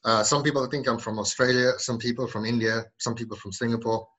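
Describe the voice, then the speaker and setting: A man's voice: medium pitch, steady tone, fast, a bit bright. Chatty man in his forties, laughing. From South Africa. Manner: chatty and jokey, laughs often, many ums. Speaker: podcast guest. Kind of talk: casual interview chat.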